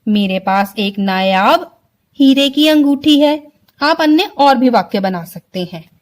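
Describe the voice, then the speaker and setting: A woman teacher giving a slow online vocabulary lesson to children, explaining words one by one and often checking that they understand. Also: high voice, lively intonation. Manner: slow, explains word by word, keeps asking if clear. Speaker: school Hindi teacher.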